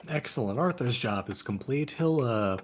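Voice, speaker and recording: A man playing a tabletop game, describing his character's moves in a halting way with restarts. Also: medium pitch, lively intonation. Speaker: player. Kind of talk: casual game talk.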